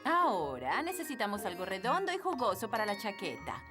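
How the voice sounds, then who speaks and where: Cartoon dub: grumpy old fairy nanny, Latin American Spanish, swooping intonation, loud music behind. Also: female voice, mid-range voice, huge pitch swings, brisk. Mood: matter-of-fact. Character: grumpy elderly female fairy nanny who does magic.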